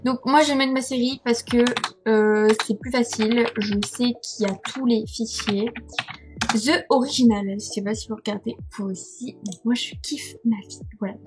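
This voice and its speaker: A woman's voice: fairly high pitch, a little mellow, slightly rough. A young woman with a French accent casually walking viewers through websites on her screen, hesitant and full of fillers, laughing at herself. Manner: chatty, hesitant, many fillers and self-corrections. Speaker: vlogger. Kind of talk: casual screen-recording tutorial. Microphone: headset.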